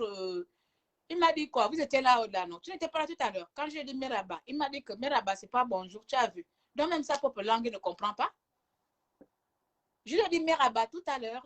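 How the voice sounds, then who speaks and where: A chatty woman films a casual vlog from her hotel room, her voice sitting a little high. She teases and laughs easily as she talks straight to the camera. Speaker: travel vlogger.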